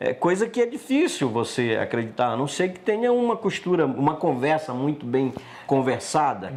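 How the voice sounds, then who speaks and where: There is noticeable background noise as a man talks at a moderate pace. His fairly high voice moves through very wide pitch swings. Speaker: political commentator. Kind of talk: political analysis discussion.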